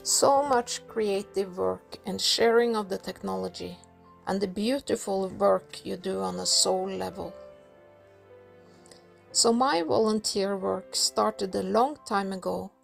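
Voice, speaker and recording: A woman from Norway speaking English with a Norwegian accent, giving an earnest, measured prepared talk as a council member. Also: mid-range voice, creaky, soft background music. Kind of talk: prepared talk, read aloud.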